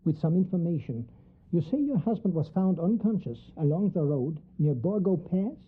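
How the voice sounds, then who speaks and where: A grave professor and vampire hunter in a radio drama. The voice is very low and rough-edged, deliberate and insistent in its formality, heard through a thin, phone-like recording. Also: female voice, expressive. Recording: tinny, narrow band like phone line.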